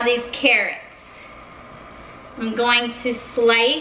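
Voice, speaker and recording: A woman with a high voice speaks very slowly, with audible room echo and light background noise. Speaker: home cook vlogger. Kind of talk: cooking tutorial. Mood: relaxed and chatty. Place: kitchen. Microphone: camera far.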